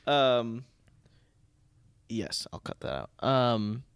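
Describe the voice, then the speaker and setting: A man's voice: mid-range voice, extremely slow, clear, resonant tone, no room sound. A man hosting a podcast in a casual, chatty style. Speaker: podcast host. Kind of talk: casual chat.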